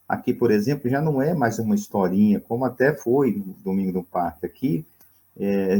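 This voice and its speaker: A man's voice: lowish voice, dark tone. A man with a Brazilian accent teaching a recorded history lesson, talking conversationally with many fillers and questions to his students. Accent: Brazilian Portuguese.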